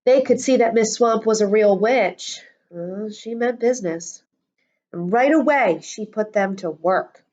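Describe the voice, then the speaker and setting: A woman reading a children's storybook aloud in an expressive, deliberate schoolteacher's manner. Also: medium pitch. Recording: dull lo-fi audio.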